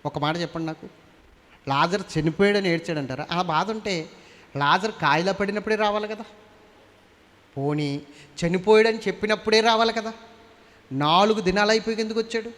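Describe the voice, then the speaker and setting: A man's voice: sits high, brisk, long pauses, fairly bright tone. A male pastor preaching a sermon, constantly questioning the congregation and climbing to fervent emphasis in a church hall.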